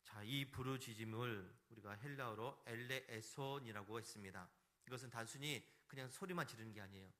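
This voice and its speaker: Bright-voiced man preaching a sermon. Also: medium pitch, brisk. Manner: emphatic, acts out the crowd's and the beggar's lines. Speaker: pastor. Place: church sanctuary.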